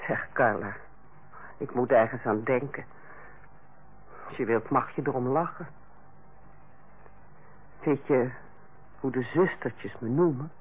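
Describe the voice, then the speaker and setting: Stern, muffled-sounding proud senior nurse. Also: female voice, a bass voice, slow, long pauses, a little hiss or hum. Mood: dry, confiding. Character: stern, proud senior nurse, brother's dry-humoured sister. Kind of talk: radio drama acting. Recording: muffled, narrow old radio recording.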